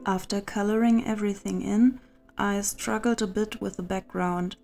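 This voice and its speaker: A woman's voice: medium pitch, fairly even intonation, moderate pace, creaky, a little mellow. A woman narrating a craft video voice-over in a chatty, confiding way, as the host of her channel. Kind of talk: scripted voice-over narration of a journal setup. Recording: music behind the voice. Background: background music.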